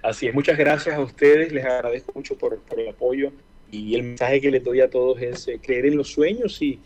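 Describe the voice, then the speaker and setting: A man in his forties, an aviation engineer from Barranquilla on Colombia's Caribbean coast, speaks costeño Spanish while reflecting personally in a relaxed interview. His mid-range voice stays steady and a little mellow, with hesitant, long pauses.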